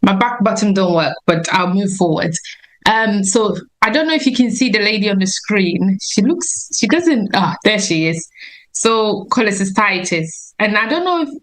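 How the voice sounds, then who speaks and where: A woman's voice: medium pitch, lively intonation, moderate pace, poor audio. A woman nurse practitioner giving an informal health talk on a video call, earnest and explanatory, often restarting her sentences. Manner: earnest, explanatory, self-correcting.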